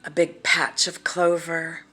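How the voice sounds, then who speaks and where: A woman guides a meditation at a very slow pace, in a slightly low voice. Her delivery is gentle and deliberate, leaving long pauses between phrases, some of them softly breathed. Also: completely flat delivery. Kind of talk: guided visualization, soothing meditation narration.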